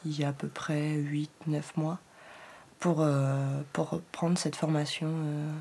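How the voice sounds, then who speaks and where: Woman from paris area, twenties, lowish voice, hesitant, lots of pauses. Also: little pitch movement, warm tone, breathy edge. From Paris region. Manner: searching, with many hesitations. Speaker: shepherd trainee. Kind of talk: interview narration.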